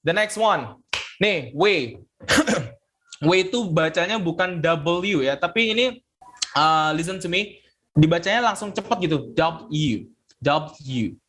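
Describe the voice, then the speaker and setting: Young indonesian guy teaching english, high voice, easygoing and jokey, has the class repeat words, kids chattering around. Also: measured pace, slight background noise. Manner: relaxed and joking, drills words for a class to repeat. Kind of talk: classroom pronunciation lesson. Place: classroom with students.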